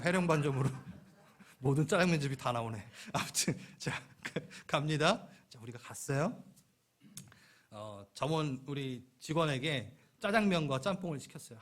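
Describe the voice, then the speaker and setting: A middle-aged man preaching a sermon as pastor of a church, playful and acting out little scenes in voices. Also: mid-range voice. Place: church sanctuary.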